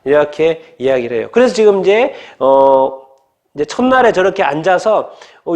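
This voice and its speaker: A man's voice: high-pitched, a little mellow. A male pastor preaching a storytelling sermon, asking many rhetorical questions.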